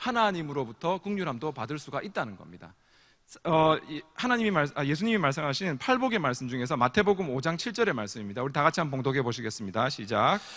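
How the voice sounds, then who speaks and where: A man talks at a very fast pace in a bright, sharp tone. His pitch swings very widely and his loudness swings a lot. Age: young. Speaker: pastor. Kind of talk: sermon.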